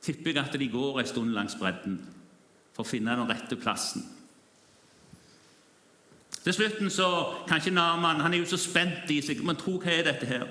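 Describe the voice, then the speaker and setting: Bright-voiced man telling a sermon story. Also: on the high side, animated, long pauses, reverberant. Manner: vivid, imaginative retelling addressing the listeners. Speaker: preacher.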